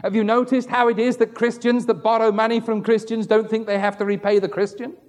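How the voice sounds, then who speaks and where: A man's voice: level tone, fairly quick, big-room sound. A middle-aged male pastor preaching a sermon who tells stories and acts out the voices of the people in them. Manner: storytelling, acts out quoted voices with wide pitch swings.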